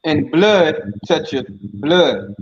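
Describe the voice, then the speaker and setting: A man reading scripture aloud for a preacher, deliberately and in short, loud phrases. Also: a little high, very animated, highs cut off. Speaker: scripture reader.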